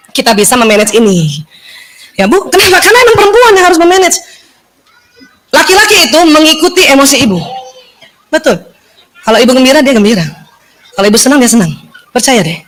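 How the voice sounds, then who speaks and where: A woman giving a lively religious lecture to women, often asking her listeners questions. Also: sits high, a little fast, pauses often, low-quality recording.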